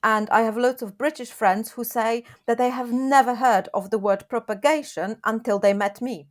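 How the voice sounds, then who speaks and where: A woman's voice: fairly high pitch, steady tone, normal speed. A woman with a Polish accent, a guest on a podcast, talking earnestly and upbeat with many fillers. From Poland. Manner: earnest, upbeat, lots of "you know" and "um". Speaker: guest, gardening author. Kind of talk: podcast interview.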